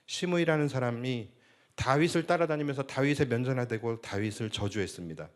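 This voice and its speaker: A man's voice: medium pitch, brisk. A male senior pastor preaching a Sunday sermon, asking the congregation rhetorical questions and acting out quoted speech.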